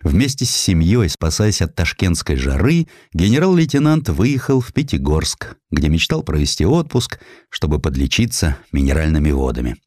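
A man with a deep voice narrates historical prose like a storyteller. His delivery is measured and theatrical, and the sound is dry, with no room around it. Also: very animated, darkish tone, no room sound. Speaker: audiobook narrator.

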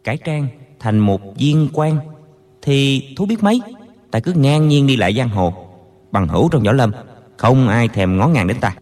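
A sly young swordsman read by a man in an audiobook, in a plain mid-pitched voice. He muses to himself, amused and scheming. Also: lively intonation, normal speed, darkish tone, close to an everyday voice. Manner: sly, amused inner thoughts. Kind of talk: audiobook character reading.

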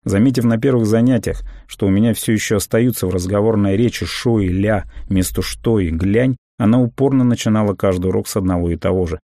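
A man narrates a memoir in a calm, measured, reflective way. His voice sits on the low side with a dark, mellow tone. The recording is dry and close, with almost no room sound. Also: no room sound. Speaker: audiobook narrator.

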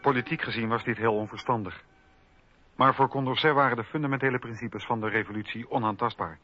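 A man's voice: mid-range voice, steady tone, fast, sharp tone. A man narrating history from a script for a documentary radio play. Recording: dull radio recording with faint music.

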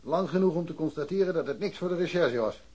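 An actor playing a blunt, dismissive police detective in a radio drama, offhand and colloquial. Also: male voice, on the high side, fast talker, darkish tone, husky. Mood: self-assured. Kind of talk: Dutch radio drama acting.

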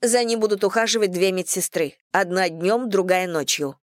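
A woman's voice: mid-range voice, moderate pace, no room sound, studio quality, close to an everyday voice. A woman voicing a stern wife and mother who speaks firmly and curtly in an audiobook. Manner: firm and curt.

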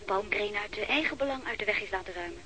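A woman's voice: medium pitch, fast, bright, forceful tone, slight background noise, lightly acted. An actress with a Dutch accent playing a young female police trainee who is hesitant but earnest in a radio play. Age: young adult. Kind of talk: Dutch radio drama acting.

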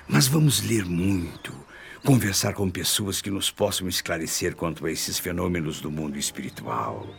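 An actor playing a tormented, repentant middle-aged father in a Brazilian radio drama, speaking solemnly and earnestly with deliberate phrasing. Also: deep voice, lively intonation, creaky, a little hiss or hum. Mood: tender, earnest. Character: tormented, repentant father seeking faith and self-control.

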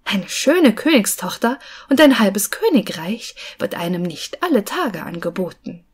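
A woman's voice: mid-range voice, sing-song, measured pace, husky. A woman voicing a cheeky, boastful little male tailor in a fairy-tale audiobook, sounding sure of himself. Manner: boastful, self-assured.

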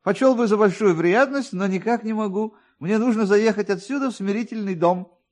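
A man's voice: sits high, brisk, a little mellow, pitched above the performer's own voice, lightly acted. A man voicing a talkative, obsequious, short-sighted police officer in a literary radio reading, rambling and hinting as he goes. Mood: ingratiating, hinting.

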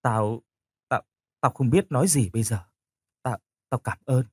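A man's voice: mid-range voice, a little slow, darkish tone, breathy edge, dry recording. A man voicing a distressed young woman who stammers and hesitates, in an audio story.

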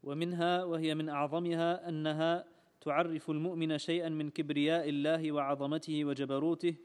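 A student reads a religious text aloud in formal classical Arabic. His pitch barely moves and sits a little high. The recording carries a long hall echo. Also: a little fast, clean tone. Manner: steady recitation of the text.

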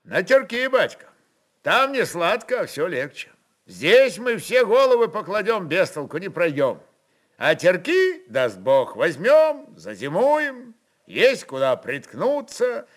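Man acting earnest, high-pitched urgent Cossack. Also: wildly swooping pitch, slow, a bit bright, exaggerated voice. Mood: insistent. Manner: urgent, rustic speech. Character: earnest, pleading Cossack man arguing his plan.

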